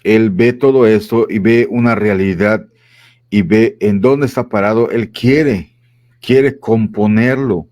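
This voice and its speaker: Low-voiced man with a dry sound. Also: a little mellow, no room sound. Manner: reflective, with fillers and pauses. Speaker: panelist. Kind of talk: panel discussion.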